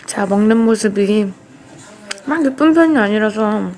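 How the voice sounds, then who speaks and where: A woman's voice: medium pitch, expressive, unhurried, darkish tone. A young woman in casual mukbang chat, talking enthusiastically about her food while chewing. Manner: chatty, self-deprecating, enthusiastic about food. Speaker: model and vlogger. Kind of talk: casual mukbang vlog talk. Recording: music playing behind the voice. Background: background music.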